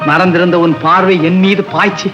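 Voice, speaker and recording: A man's voice: high-pitched, level tone, fairly quick, lo-fi sound, natural voice. A man playing a film hero in 1960s Tamil cinema, speaking in declamatory dialogue. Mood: tender. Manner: declamatory, lamenting then tender. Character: man who faked being a drunkard to win back his love. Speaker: film hero, the woman's lover. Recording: old film soundtrack with loud music.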